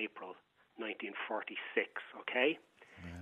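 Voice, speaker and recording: The speaker is a man. He has an Irish accent. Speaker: pensions expert caller. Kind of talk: radio phone-in. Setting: phone call.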